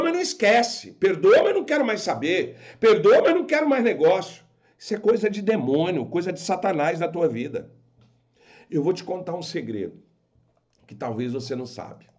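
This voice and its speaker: A man preaches with emphatic conviction, firing the same rhetorical question again and again. His voice sits high for a man. The recording is a little dull and muffled. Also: darkish tone. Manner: quotes imagined objectors in put-on voices. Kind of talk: preaching to an online audience.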